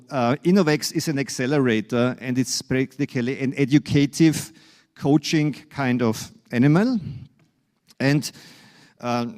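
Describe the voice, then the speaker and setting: A man from Austria with an Austrian accent giving a conference keynote, halting with many fillers and restarts, and wry self-deprecating humor. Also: mid-range voice, darkish tone. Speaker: keynote speaker.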